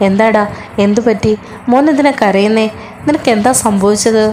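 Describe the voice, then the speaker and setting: A woman voicing a gentle, self-sacrificing young elder sister who soothes and begs her brother while retelling a serial. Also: fairly high pitch, normal speed, a little hiss or hum, close to an everyday voice. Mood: worried.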